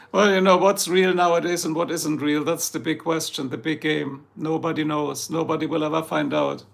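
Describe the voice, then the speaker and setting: A middle-aged man from Germany with a German accent, hosting a livestream in a joking, rambling chat with viewers, hoarse and losing his voice. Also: a little high, little pitch movement, normal speed, long pauses. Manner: joking, chatty, reads out viewer comments. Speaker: livestream host.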